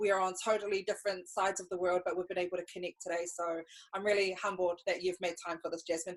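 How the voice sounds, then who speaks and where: In a New Zealand accent, a woman talks at a very fast pace. Her medium-pitched voice stays monotone and flat. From New Zealand, Auckland. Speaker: podcast host. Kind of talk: interview.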